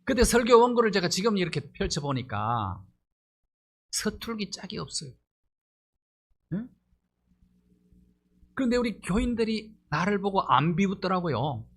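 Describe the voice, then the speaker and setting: A man's voice: high-pitched, sing-song, measured pace, pauses often. A middle-aged male pastor delivering a sermon, pressing his points with rhetorical questions and rising emphasis.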